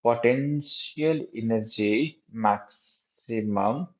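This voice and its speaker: A man with a South Asian accent teaching a live physics lesson in a halting, repetitive way, often checking with his students. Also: medium pitch, a little mellow. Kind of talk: live exam-prep lesson, working through problems. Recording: dull lo-fi recording.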